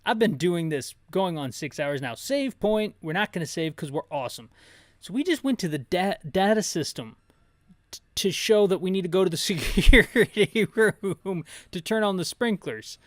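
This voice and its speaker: Male game streamer, slightly high register, dry close sound; rambling, opinionated, joking descriptive playthrough narration. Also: lively intonation, normal speed, dry recording. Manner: casual, jokey, opinionated. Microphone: close mic, bumped now and then.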